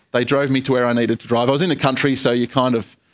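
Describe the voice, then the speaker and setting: Speaking with an Australian accent, the man keeps his voice at a medium pitch. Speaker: pastor. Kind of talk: sermon. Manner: halting.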